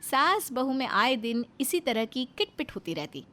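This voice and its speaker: A woman narrating a cartoon story in an expressive storytelling manner. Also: sits high, moderate pace, soft background music.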